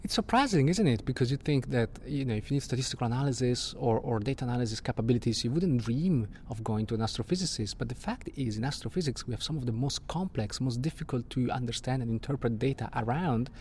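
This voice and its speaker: A man's voice: mid-range voice, animated, fast, few pauses, a little mellow, a little hiss or hum. A middle-aged man from Switzerland, answering interview questions as a guest astrophysicist and often repeating words as he restarts.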